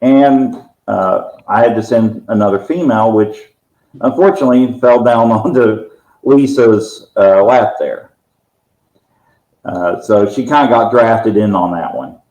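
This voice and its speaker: A man speaks from a clearly echoey room as an interview guest. He explains matters as the leader of a team, in a measured way with frequent pauses. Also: fairly low pitch, darkish tone. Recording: roomy, echoing sound.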